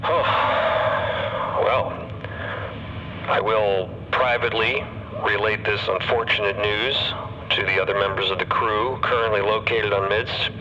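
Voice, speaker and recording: A man's voice: lowish voice, steady tone, unhurried, lo-fi sound, noisy background, lightly acted. A man playing an officious, fussy commissioner in an audio drama, emphatic and easily flustered. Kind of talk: audio fiction podcast acting.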